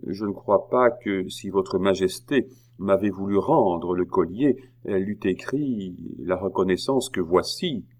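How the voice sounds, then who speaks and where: A man's voice: low-pitched, unhurried, darkish tone. A man voicing a frightened jeweler who stammers and pleads, trembling. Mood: shaken. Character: frightened, flustered middle-aged male jeweler.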